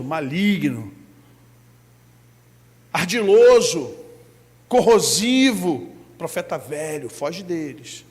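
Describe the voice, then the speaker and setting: Brazilian pastor preaching, shouting bursts, very high voice, long reverb. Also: male voice. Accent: Brazilian Portuguese. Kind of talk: sermon.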